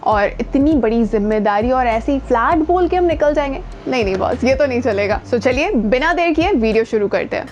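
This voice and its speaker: An Indian woman, a voice coach and video host, gives an informal lesson to camera outdoors near her home, speaking conversationally and emphatically with English words mixed in. Her high voice is animated and brisk, with hardly any pauses, and the darkish recording has its highs cut off.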